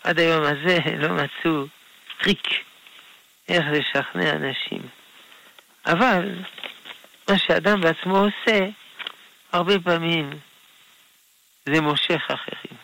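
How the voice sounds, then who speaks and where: Gravelly-voiced rabbi answering callers. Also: male voice, a little high, low-quality recording. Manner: gentle, unhurried, explains patiently with soft laughs. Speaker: rabbi answering listener questions. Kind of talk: radio call-in Q&A.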